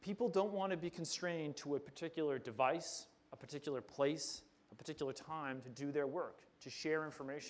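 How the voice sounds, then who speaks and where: An ordinary speaking voice from a man with an American accent, fairly high in pitch, fairly quick, with ordinary pitch variation. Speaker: tech executive giving keynote. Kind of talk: conference keynote. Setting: stage with audience.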